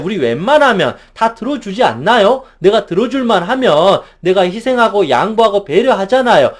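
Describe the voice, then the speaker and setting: A man with a high voice delivers a motivational psychology lecture as a counselor. He speaks emphatically and keeps putting rhetorical questions to his listeners.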